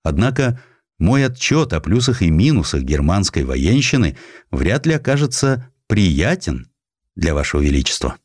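A man's voice: deep voice, very animated, moderate pace, darkish tone, dry recording, studio quality. A man playing a celebrated, forthright and learned Russian general in a dramatized audiobook. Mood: frank, careful.

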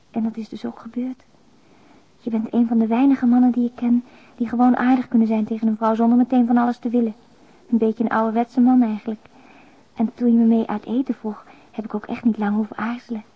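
A woman's voice: fairly high pitch, slightly rough. An actress playing a despairing young single mother who confides in a plain, subdued way, as in a radio drama letter. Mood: tender, confiding. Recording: dull, lo-fi radio drama recording.

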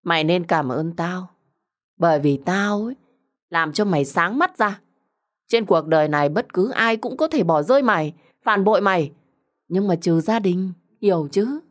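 A cruel, two-faced young woman, acted out by a female storyteller, talks down to her victim in an audio story. Her voice sits a little low, and she is smug, taunting and thick with sarcasm. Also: expressive, normal speed, lightly acted. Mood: condescending, cruel.

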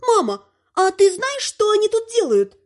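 A man voicing an excitable, flustered grown-up mother who exclaims a lot. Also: very high voice, moderate pace, pitched above the performer's own voice, full character voice. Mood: giggly. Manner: exclaiming, fretful.

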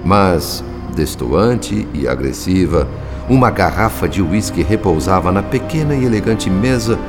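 An actor playing a grave, observant male narrator of spirit-world events in a radio drama, with literary, deliberate delivery. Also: sits low, lively intonation, over music. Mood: grave storytelling.

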